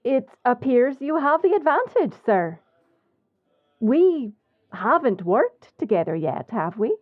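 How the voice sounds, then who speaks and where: Woman acting a slow-spoken, sly Irish pirate captain. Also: high-pitched, very animated, dry recording, narrow, tinny audio, heavily acted. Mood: polite, charming. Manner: measured, deliberate. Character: sly, bold female pirate smuggler captain, composed and cheeky. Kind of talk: audio roleplay acting with story narration.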